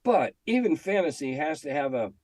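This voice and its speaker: A man's voice: on the high side, very animated, moderate pace, darkish tone, dry recording, clean studio sound. An older American man reminiscing in an interview in a blunt, salty, opinionated way. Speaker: veteran game editor being interviewed.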